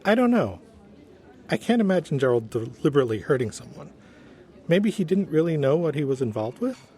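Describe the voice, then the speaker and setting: Animated, prim, gentle office man. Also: a little high. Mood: puzzled, prim. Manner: polite, prim, measured wording. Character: earnest, gentle, prim former human resources director. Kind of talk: audio drama acting as interview guest.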